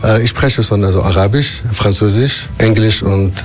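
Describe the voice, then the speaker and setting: A man's voice: lowish voice, normal speed, faint music behind. Hesitant non-native German-speaking man. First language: not German. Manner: hesitant, many fillers, searching for words. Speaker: airline cabin crew member.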